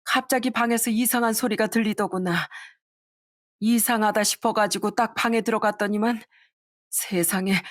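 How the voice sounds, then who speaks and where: A woman's voice: medium pitch, no room sound, studio quality, close to an everyday voice. A woman voicing an indignant older mother who scolds and sighs as she speaks. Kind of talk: storytelling voice acting.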